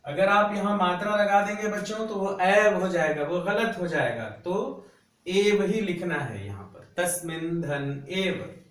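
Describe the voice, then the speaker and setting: A man's voice: sits high, lively intonation, unhurried, a bit bright. A man teaching a class, patiently explaining grammar at a board and drawing out syllables so students can copy them. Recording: roomy echo, voice a bit far from the mic.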